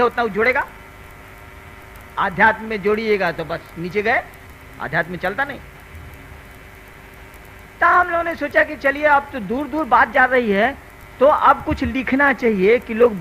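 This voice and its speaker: An older man gives a spiritual discourse, his voice high and bright. He talks in an earnest, storytelling way, stressing his points. A faint electrical hum sits under the recording. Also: low-quality recording. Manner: conversational storytelling, earnest and emphatic. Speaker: spiritual teacher.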